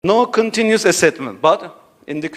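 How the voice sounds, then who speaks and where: Male academic speaker, fairly high voice, lecturing in an auditorium, rhetorical, keeps checking in with listeners. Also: expressive, normal speed. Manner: rhetorical, checks in with "right?" and "you see". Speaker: conference speaker.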